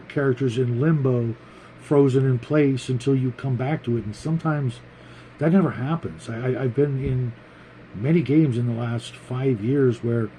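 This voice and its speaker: A man hosting a tabletop gaming show, talking casually to viewers in a halting way, thinking aloud and repeating words. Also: mid-range voice, mellow, a little hiss or hum, rough recording. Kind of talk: casual, rambling opinion talk to viewers.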